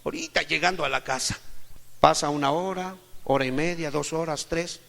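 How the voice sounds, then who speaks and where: A Mexican man preaching a sermon in church, emphatic, asking rhetorical questions and swinging between loud and hushed. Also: fairly high pitch, normal speed, gravelly. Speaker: pastor. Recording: long church hall reverb.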